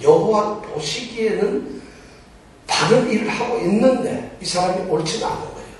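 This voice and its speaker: Male preacher, slightly high voice, teaching with questions to the pews; distant mic in a very reverberant church. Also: darkish tone, a little hiss or hum. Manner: poses rhetorical questions to the congregation. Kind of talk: Bible teaching sermon. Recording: very echoey church hall, mic far off.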